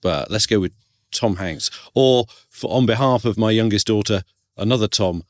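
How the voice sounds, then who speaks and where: Laid-back English man, low voice. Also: normal speed, no echo, studio quality. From England. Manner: thoughtful, laughs easily. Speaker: guest voice actor. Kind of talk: casual interview chat. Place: podcast studio.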